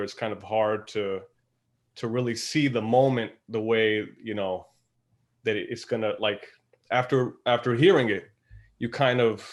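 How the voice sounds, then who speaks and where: A man, an actor on a panel, speaking in a casual, reflective and informal way. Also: mid-range voice.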